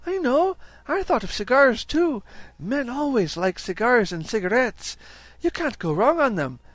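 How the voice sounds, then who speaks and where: A man's voice: extremely high pitch, sing-song, a little slow, no room sound, voice pushed up, full character voice. A man voicing an eager, boastful twelve-year-old boy in a read-aloud story. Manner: eager, showing off.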